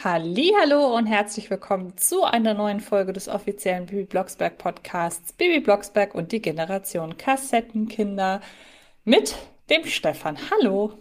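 A woman's voice: mid-range voice, expressive, normal speed, a little mellow. A woman hosting a podcast in a conversational, moderating style. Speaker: podcast host.

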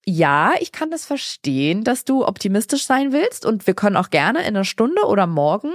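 A woman's voice: mid-range voice, very animated, moderate pace, no echo. Woman, thirties, podcast co-host, earnest, reflective, casual chat, dry close mic. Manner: earnest, reflective, talks at length with many restarts. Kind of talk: casual conversation.

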